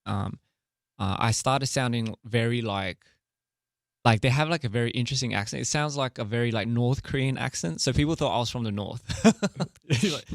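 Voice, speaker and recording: A young man chatting candidly as an interview guest, loose and relaxed, full of fillers and laughing easily. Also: mid-range voice, moderate pace, gravelly, dry recording. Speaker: interview guest, music artist and director. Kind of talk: casual interview chat.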